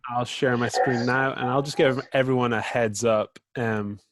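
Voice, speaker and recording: A man's voice: mid-range voice, fairly even intonation, normal speed, heavy background noise. A man with a British accent walks through a data dashboard while sharing his screen on a video call, informal and full of fillers. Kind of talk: screen-share presentation in a video meeting.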